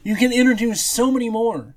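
A man's voice: very high-pitched, expressive, brisk, crowd noise. A man co-hosting a podcast, chatting casually and giving opinions in a conversational way. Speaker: podcast co-host. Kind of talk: casual chat.

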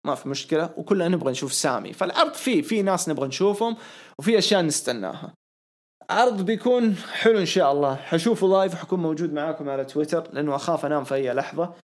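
A man talks fast and eagerly on a podcast, with a hoarse, worn voice. His pitch sits a little above the usual for a man. He rambles through excitable opinions in a loose, casual way. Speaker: podcast host. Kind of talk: casual wrestling podcast chat.

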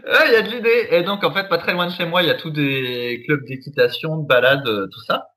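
Joking man with a bright, higher voice. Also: a little fast. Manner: joking, laughs often, storytelling. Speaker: podcast co-host. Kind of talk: casual podcast chat.

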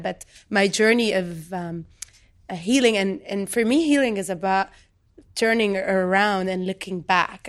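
A woman from Lebanon in her thirties talks about her life as a guest in an interview. She is soft-spoken and thoughtful, often stopping on small fillers as she gathers her words. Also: mid-range voice. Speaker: poet and guest. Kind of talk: reflective interview talk.

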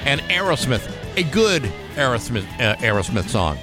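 A man's voice: medium pitch, sing-song, normal speed, music in the background. An American man hosting a radio show in a casual, sardonic conversational style, close on a studio microphone.

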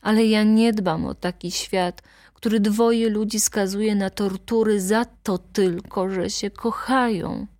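A woman's voice: mid-range voice, steady tone, slow pace, a little mellow, no room sound. Woman voicing a young wife, hard and defiant, dry close voice, audiobook scene. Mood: bitter.

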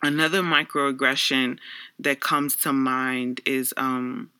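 A man's voice: mid-range voice, little pitch movement, takes it slowly, bright, forceful tone, clear, resonant tone. A young man from the Bronx, New York, whose first language is Garifuna, earnestly reflecting on his experiences as a social worker. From Bronx, New York, USA. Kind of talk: personal reflective monologue.

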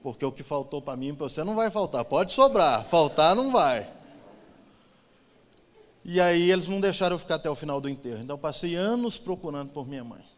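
A man's voice: a little high, animated, brisk. Emotional testimony, man in a reverberant hall. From Brazil. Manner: emotional storytelling, swings from loud to hushed. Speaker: church testimony speaker. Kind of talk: personal testimony in church.

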